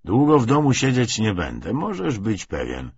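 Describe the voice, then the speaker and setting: Hearty, swaggering young soldier from a novel, acted by a male reader, husky, slightly muffled recording. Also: lowish voice, huge pitch swings, moderate pace, a little mellow, dry recording, heavily acted. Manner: boastful, hearty. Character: swaggering young cavalry veteran telling war tales.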